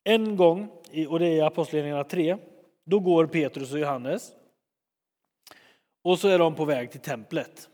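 A man preaching in a relaxed, chatty manner, telling stories with plenty of life. His voice sits fairly high for a man, and a long reverb from a big hall follows every phrase. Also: long pauses. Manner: lively and chatty, acting out scenes. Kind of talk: sermon, storytelling.

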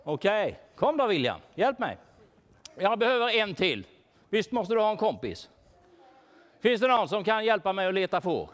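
Leading a children's talk in a church, a man plays a worried shepherd searching for his lost sheep, asking the kids to help him look and call out names. His voice sits high with long pauses, and his animated, playful role-play carries a searching mood as he questions the children and calls names.

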